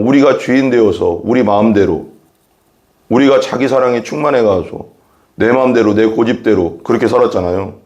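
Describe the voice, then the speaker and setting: A man's voice: medium pitch, darkish tone. A man preaching a sermon as a pastor, reading Bible verses and explaining them earnestly, often repeating phrases and asking rhetorical questions.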